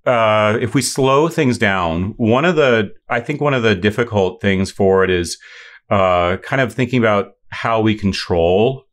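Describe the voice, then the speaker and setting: A man's voice: lowish voice, lively intonation, unhurried. A middle-aged man explaining voice science in an interview, thoughtful, with many fillers and restarts. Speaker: voice science expert.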